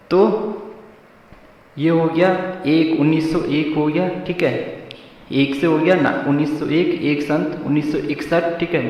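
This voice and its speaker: Guy teaching gk memory tricks, keeps repeating himself, voice sits a bit high, big echoey room, mic far off. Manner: repetitive, drilling, says "theek hai" constantly. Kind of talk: exam-prep mnemonic lesson.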